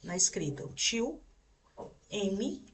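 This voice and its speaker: A woman's voice: medium pitch, sing-song, slow, recorded from a distance, a little hiss or hum. A young Brazilian woman teaching an online grammar lesson, explaining step by step and checking in with her listeners. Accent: Brazilian Portuguese.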